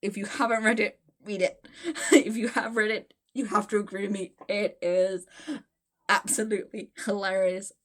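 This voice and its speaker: A woman's voice: mid-range voice, level tone, normal speed. A woman host casually reading aloud and chatting about it, gushing and giggly, often stumbling over her words. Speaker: host of a fan fiction reading series. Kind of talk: casual rambling chat and read-aloud with reactions.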